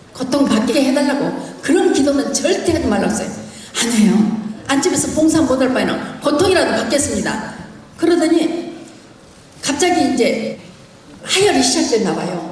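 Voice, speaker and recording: Over noticeable background noise and audible room echo, a woman with a high pitch and very wide pitch swings talks at a moderate pace with long, frequent pauses. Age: 70s. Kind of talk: retreat talk.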